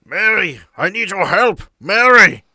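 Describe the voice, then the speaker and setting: A man's voice: high voice, expressive, a little slow, bright, forceful tone, no echo, voice pushed up, full character voice. A man voicing a villainous spectral doctor in a tabletop game, dramatic and grandiose in his desperation. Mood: desperate screaming.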